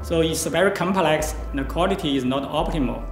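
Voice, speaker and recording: A man's voice: on the high side, brisk. A middle-aged man, not a native English speaker, explaining technical work as an engineering manager. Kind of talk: explanatory promotional interview. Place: modern office interior. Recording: roomy, music behind.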